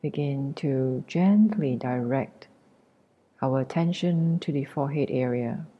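A woman leading a guided meditation as a teacher, speaking gently with long pauses in a soft, breathy voice that nears a whisper. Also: rumbling low, highs cut off. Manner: gentle, unhurried, long pauses between short phrases.

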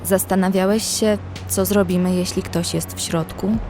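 An actress playing a young woman who survives an apocalypse, narrating in a measured, literary way as an anxious observer. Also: on the low side, steady tone, mellow, close to an everyday voice. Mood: worried. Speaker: narrator and actress in audio drama. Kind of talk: scripted first-person horror story narration. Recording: music under the voice.

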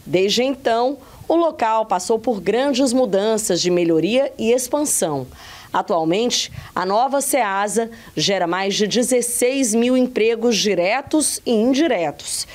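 A young woman TV reporter, presenting a news feature in a bright, upbeat way. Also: a little high, expressive, measured pace.

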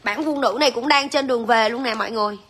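Woman live selling jewelry, chatty, talks right at viewers, bright voice. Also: fairly high pitch, quick pace. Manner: chatty, addresses viewers directly. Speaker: livestream jewelry seller.

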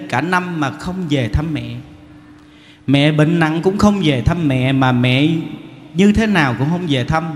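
A man with a Southern Vietnamese accent, a monk giving a humorous sermon full of stories, teasing the audience and acting out characters. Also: fairly high pitch. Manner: animated, teasing, acts out characters. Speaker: monk giving a dharma talk. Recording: echoey hall, faint background noise.

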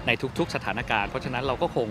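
A middle-aged man speaking as a company representative in an outdoor press interview, measured and full of hesitant fillers. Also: medium pitch, animated, background noise. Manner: measured, many fillers and polite particles. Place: outdoor park at an event. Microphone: press microphones held close.

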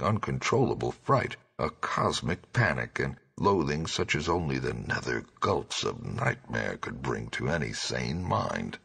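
A man with a gravelly voice narrating a scripted horror story as an audiobook. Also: rumbling low, a bit bright.

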